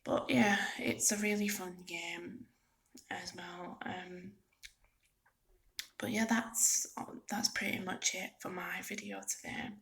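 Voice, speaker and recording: Soft, low-pitched woman, creaky half-whisper. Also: flat delivery. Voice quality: soft, breathy, often dropping into near-whisper. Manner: rambling, halting, informal. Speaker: video game vlogger. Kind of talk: soft-spoken ASMR ramble, casual.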